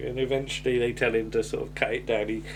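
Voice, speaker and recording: A man's voice: mid-range voice, flat delivery, fast, background noise. A man chatting casually as a co-host recapping a comedy, hesitant and meandering, often repeating words and tailing off. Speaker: podcast co-host.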